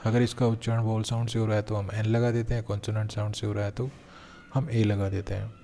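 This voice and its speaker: A man teaches an exam-prep grammar lesson in a mellow, fairly flat voice, explaining each point step by step. He slows right down whenever he reads an example sentence aloud. A faint hum of room noise sits behind his close-miked voice. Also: fairly low pitch, vocal fry. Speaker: English teacher.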